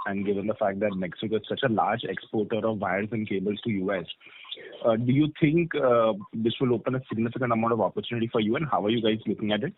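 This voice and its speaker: A man's voice: fairly low pitch, fairly even intonation, quick pace. A man, an analyst asking a question on an earnings call. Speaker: financial analyst. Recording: phone line with faint background noise.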